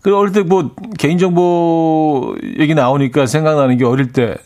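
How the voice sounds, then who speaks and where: A man's voice: fairly high pitch, moderate pace, a little mellow. A man hosting a radio talk show, chatting casually with a co-host and laughing as he acts out voices. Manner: laughing, playful, acts out quoted callers.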